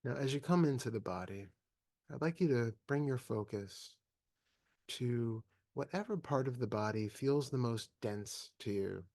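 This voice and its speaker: A man leading a guided meditation as a teacher, speaking calmly and in measured phrases with long pauses. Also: mid-range voice, dry recording, studio quality.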